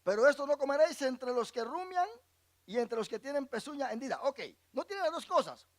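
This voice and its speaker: High, lively pastor teaching slowly. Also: male voice. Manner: asks the congregation questions and lets them fill in words; reads scripture verses aloud and explains them. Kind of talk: bible class teaching.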